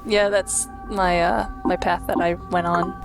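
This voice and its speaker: Woman, casual let's play host, chatty, opinionated, clear game music behind. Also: lowish voice, level tone, measured pace, rough recording. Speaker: host playing and presenting a video game. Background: video game music.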